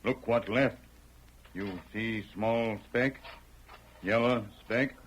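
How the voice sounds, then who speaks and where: An actor playing a terse, loyal Native American sidekick who speaks halting broken English in a 1940s radio western. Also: male voice, mid-range voice, natural voice. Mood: sly, coaxing. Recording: noisy vintage radio recording.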